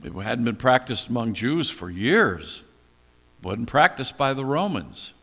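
An older male pastor with a gravelly edge to his voice teaches from scripture, asking himself questions and answering them in a relaxed, conversational manner. His voice carries a long reverb, as if recorded in a large hall. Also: medium pitch, unhurried, faint music behind. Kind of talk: expository Bible teaching.

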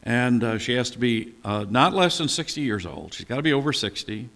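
Speaking a little fast, this older man's mid-range voice is creaky, slightly bright and lively in intonation. As a pastor he teaches a Bible passage in a conversational style, posing questions and then answering them. A long reverb from the hall surrounds him.

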